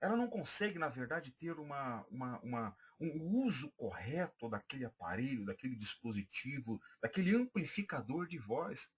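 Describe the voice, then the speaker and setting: A man with a Brazilian Portuguese accent, a pastor, teaches a recorded class on preaching for church members, calling his listeners brothers. His medium-pitched, slightly breathy voice swings widely in pitch at a moderate pace with few pauses. He sounds hesitant, full of fillers and restarts.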